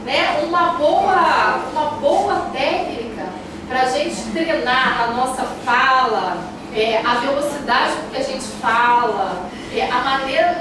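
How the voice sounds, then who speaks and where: A woman with a Brazilian accent giving a classroom lecture as a teacher, in a didactic way, repeating key phrases for emphasis. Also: high-pitched. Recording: echoey room, distant mic, noisy.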